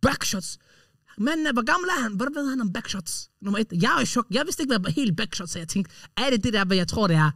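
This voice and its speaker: A man co-hosting a podcast, telling stories in an excitable, slangy way with English words mixed in. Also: sits high, no echo, studio quality, distant mic. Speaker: podcast co-host. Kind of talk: casual storytelling chat.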